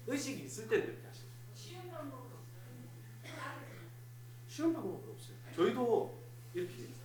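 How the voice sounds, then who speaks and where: A man's voice: a little high, a little hiss or hum. Man teaching first aid in an echoey hall. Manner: instructive, repetitive, talks to a live group. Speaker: fire safety instructor. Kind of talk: hands-on first aid demonstration. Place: hall of a place of worship.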